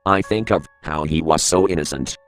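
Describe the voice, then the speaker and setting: A man narrating a creepypasta horror story in a steady, grave reading voice. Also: very deep voice, moderate pace, soft background music.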